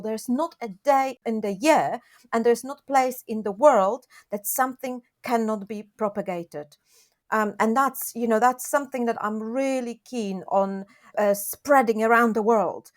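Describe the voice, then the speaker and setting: A woman with a Polish accent, a guest on a podcast, talking earnestly and upbeat with many fillers. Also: on the high side. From Poland. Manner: earnest, upbeat, lots of "you know" and "um". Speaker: guest, gardening author. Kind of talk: podcast interview.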